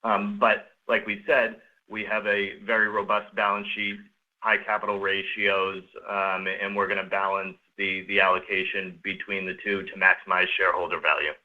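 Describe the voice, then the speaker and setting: A man speaking as a finance executive, answering questions on an earnings call in halting phrases. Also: deep voice, little pitch movement. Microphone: conference call line. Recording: narrow, muffled phone-line conference call.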